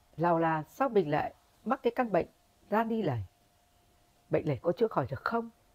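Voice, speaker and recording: Very wide pitch swings from a woman, in a dry, close sound with no echo. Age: 60s. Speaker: cancer patient sharing testimony. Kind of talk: testimony.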